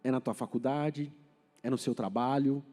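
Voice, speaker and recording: A man's voice: mid-range voice, fairly even intonation, moderate pace, mellow, big-room sound, soft background music. A man from Paraná, Brazil, with a Paraná Brazilian Portuguese accent, preaching a sermon in a church and putting questions to the congregation. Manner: conversational, asks the congregation questions. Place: church hall.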